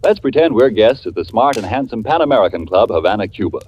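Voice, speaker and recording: Lively 1940s radio ad announcer. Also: male voice, lowish voice, fast talker, a little hiss or hum. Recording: dull old radio broadcast.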